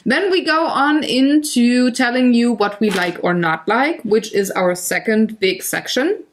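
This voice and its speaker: A woman's voice: on the high side, measured pace, slight background noise. German-accented woman, playful podcast host. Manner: playful, laughs often, self-mocking. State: coughing, using cough drops. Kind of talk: casual chat.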